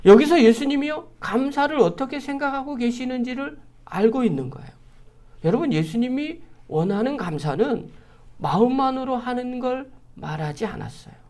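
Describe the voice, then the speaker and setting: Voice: high-pitched, lively intonation, normal speed, a little mellow. A pastor giving an early-morning sermon, speaking earnestly and putting one rhetorical question after another to the congregation.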